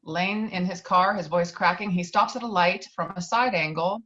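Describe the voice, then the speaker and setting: A woman's voice: lowish voice, moderate pace, fairly bright tone. A woman narrating stage directions from a screenplay at a virtual table read, recorded over an online call. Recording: dull lo-fi online call audio.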